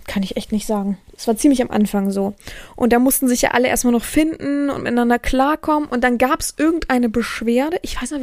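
A woman's voice: on the high side, a little mellow, no room sound, clean studio sound. A young adult woman, hosting a podcast and telling a story in a casual, blunt way, full of fillers and restarts. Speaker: podcast host.

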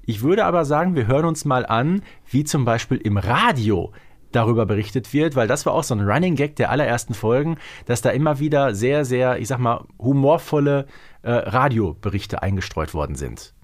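A man's voice: mid-range voice, lively intonation, brisk. A man co-hosting a podcast, explaining things in casual, conversational talk. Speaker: podcast co-host.

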